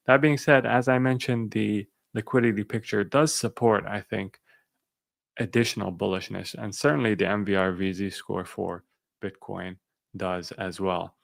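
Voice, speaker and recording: A man from Syria hosting a live finance stream, giving market commentary and answering viewer questions in an unhurried way, thinking aloud with frequent fillers. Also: lowish voice, gravelly, dry recording. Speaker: finance channel host.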